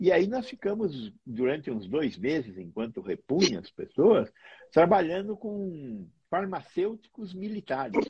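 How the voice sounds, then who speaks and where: A man with a high pitch speaks at a fairly slow pace, his pitch swinging very widely. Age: old. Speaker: physician, former health official. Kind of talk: casual chat.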